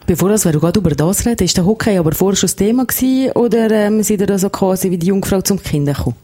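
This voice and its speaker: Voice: mid-range voice, lively intonation, very fast, mellow. Chatty radio host interviewing a guest. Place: radio studio.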